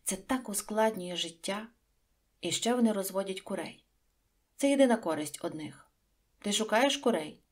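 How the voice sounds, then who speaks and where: A woman's voice: mid-range voice, moderate pace, long pauses, lightly acted. Woman voicing a wise, patient fox. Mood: calm explaining. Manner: calm, explaining, knowing tone. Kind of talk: audiobook reading.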